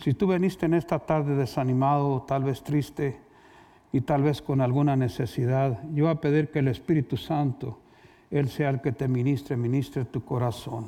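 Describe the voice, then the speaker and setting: On a very clean recording with a silent background, a man with a dark, mellow tone and fairly high pitch speaks at a moderate pace, with very even loudness and fairly even intonation. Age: 60s. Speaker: guest preacher. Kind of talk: sermon. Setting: church.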